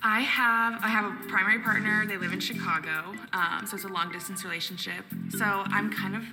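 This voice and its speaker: A woman's voice: mid-range voice, fairly quick. A woman on a speed date chatting in an open, slightly nervous way. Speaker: speed dating participant. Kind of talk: casual conversation. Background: music.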